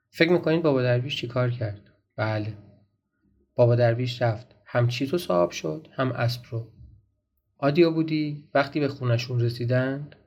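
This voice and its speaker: A man reading a folk tale aloud for a podcast, in a gentle storytelling way that turns to ask the listeners questions. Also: mid-range voice. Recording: dull, slightly noisy recording.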